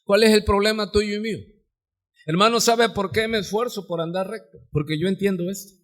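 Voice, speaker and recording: A pastor with a Mexican Spanish accent preaching a live sermon in a church, full of rhetorical questions and sudden drops to soft low words. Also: male voice, fairly even intonation, fairly quick. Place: church sanctuary.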